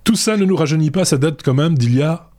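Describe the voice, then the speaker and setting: A man's voice: fairly high pitch, animated, quick pace, warm tone. A man hosting a casual tech chat show, talking with many fillers and restarts. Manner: hesitant, lots of fillers and restarts. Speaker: host.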